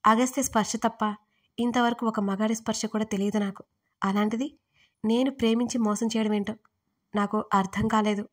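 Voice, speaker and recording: A woman storyteller reading a first-person audio story in a steady, earnest way. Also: a little high, normal speed. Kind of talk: scripted first-person narration.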